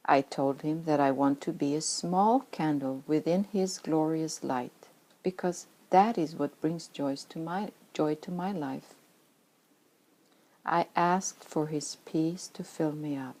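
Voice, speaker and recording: Reading her own spiritual memoir, a middle-aged Swedish woman speaks in a deep, mellow voice and takes her time. Swedish is her first language and her accent shows it; she is earnest and reflective, now and then dropping to a whisper, and the recording is rough.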